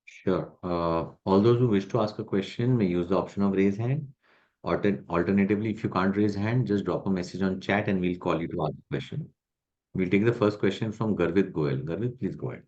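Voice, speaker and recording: Dull lo-fi, low-voiced male call moderator. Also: a little fast, darkish tone. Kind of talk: moderator announcements. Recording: dull, lo-fi conference call audio.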